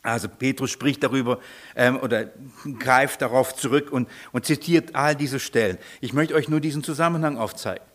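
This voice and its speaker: A man preaching a sermon, animated, asking the congregation questions and repeating sounds to imitate a foreign tongue. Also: mid-range voice, normal speed. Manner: animated, repeats nonsense syllables to mimic foreign speech.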